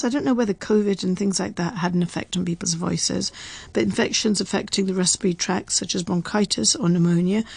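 A woman's voice: mid-range voice, vocal fry, darkish tone, breathy edge, no echo. A woman in casual chat, explaining facts as a radio presenter and laughing often. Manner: chatty, reads facts aloud, laughs often.

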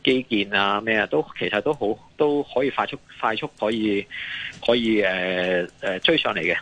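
A man's voice: fairly low pitch, normal speed, pushed and bright, a little hiss or hum, poor audio. A man with a Hong Kong accent giving live market commentary as a guest analyst, hesitating, repeating phrases and mixing in English terms.

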